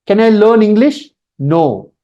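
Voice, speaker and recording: Man, Telugu Indian accent, native Telugu, very lively intonation, soft-edged tone, informal teacher, repeats points for emphasis. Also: sits high, unhurried, dull audio. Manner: repetitive, emphatic, checks in with "okay" and "right". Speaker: instructor.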